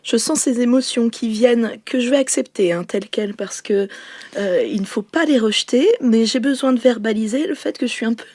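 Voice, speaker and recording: A woman playing a polite, earnest new-age yoga devotee, flustered and halting as she talks herself calm in an improvised role-play. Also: on the high side, no room sound, close to an everyday voice. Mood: anxious self-soothing. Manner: halting, breathing through her emotions, therapy-speak.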